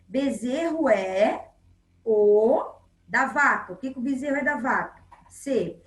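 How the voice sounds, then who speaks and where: A woman's voice: on the high side, a bit bright, roomy sound. A Brazilian woman teaching a recorded lesson to young children, patient and encouraging, checking in often. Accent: Brazilian Portuguese. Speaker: primary school teacher.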